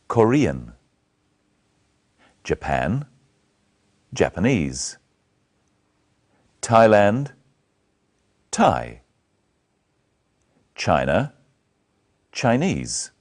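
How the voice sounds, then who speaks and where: A middle-aged man presenting a scripted English lesson, speaking slowly and clearly into a lapel mic. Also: low-pitched, darkish tone. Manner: slow, clear, carefully spoken. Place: small studio set, indoors.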